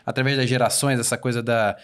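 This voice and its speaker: A man's voice: medium pitch, little pitch movement, fast, a bit bright, smooth. A Brazilian man talking casually as a podcast co-host in an interview.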